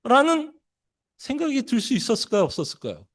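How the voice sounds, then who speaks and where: Male preacher, animated delivery with big swings in pitch, keeps questioning the congregation. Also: normal speed. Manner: asks the congregation many questions, acts out disciples' lines. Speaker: pastor. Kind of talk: sermon.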